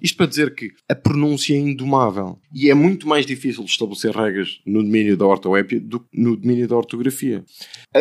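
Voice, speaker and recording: Guest voice: erudite male writer with European Portuguese accent, wordy, frequent restarts, casual podcast talk. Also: fairly low pitch. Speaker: writer and language reviser, guest.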